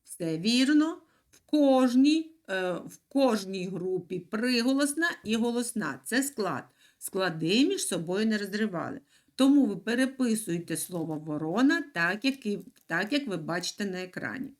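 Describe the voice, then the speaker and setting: A middle-aged woman teaches a class of young children. Her voice swoops up and down in a lively, sing-song way, stretching out each key syllable as she explains. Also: mid-range voice, normal speed. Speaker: primary school teacher. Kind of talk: recorded lesson for children.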